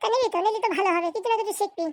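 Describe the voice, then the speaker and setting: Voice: very high-pitched, rapid-fire, no echo. A performer voicing a scheming, bossy village madam in a comedy cartoon, with scolding, boastful colloquial chatter. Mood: impatient. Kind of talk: exaggerated cartoon comedy dialogue.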